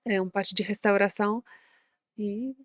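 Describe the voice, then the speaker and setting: A young woman, not a native Portuguese speaker, talks in a casual interview, often pausing and searching for words. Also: mid-range voice, steady tone, no room sound, clean studio sound. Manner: hesitant, searching for words, many fillers. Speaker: guest entrepreneur.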